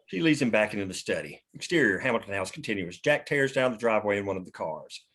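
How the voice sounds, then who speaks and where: A man's voice: lowish voice, animated, fast, a bit bright. A man reading scripted screen directions as the narrator of a table read.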